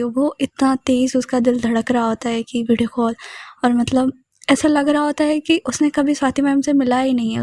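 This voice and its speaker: A woman's voice: high voice, a little mellow, no echo, clean studio sound. A woman narrating a romantic audio story in a casual, chatty way, full of conversational fillers.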